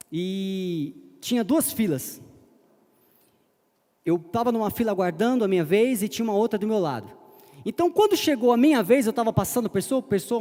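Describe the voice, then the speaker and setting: A man's voice: high voice, mellow. A man preaching a sermon, telling a personal story in a conversational way. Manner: conversational, retells a personal story acting out short quotes. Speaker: pastor. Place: church hall. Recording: long hall reverb.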